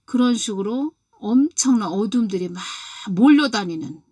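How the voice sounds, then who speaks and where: A woman's voice: mid-range voice, animated, moderate pace, mellow, no room sound. A woman in her sixties giving a spiritual testimony and telling her dream, repeating key phrases with emphasis. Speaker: lay preacher.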